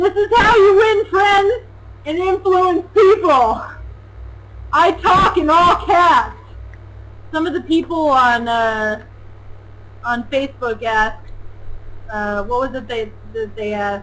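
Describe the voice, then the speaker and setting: A woman shouts loudly at an extremely high pitch, her voice swinging very widely, moving at a very slow pace with long, frequent pauses. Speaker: live show co-host. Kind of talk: casual chat. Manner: loud, sounds like yelling.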